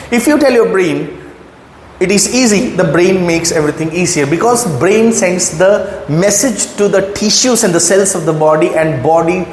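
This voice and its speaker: A man's voice: high-pitched, a little hiss or hum. A man with an Indian accent giving an emphatic motivational English lesson, often checking whether the listener follows. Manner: emphatic, asks the listener rhetorical questions. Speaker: English teacher. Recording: echoey room with long reverb, faint ambience.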